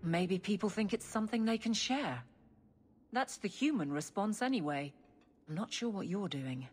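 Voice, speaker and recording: A woman's voice: mid-range voice, expressive, normal speed, darkish tone, slightly rough, faint music behind. A woman playing an earnest, slightly awkward guard captain in a video game, sober and plain-spoken.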